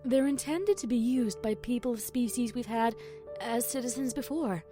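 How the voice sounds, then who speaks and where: A woman playing a calm pony princess, measured, patient and gently wry, in an audio fan story. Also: on the high side, music in the background, natural voice. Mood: patient, explaining.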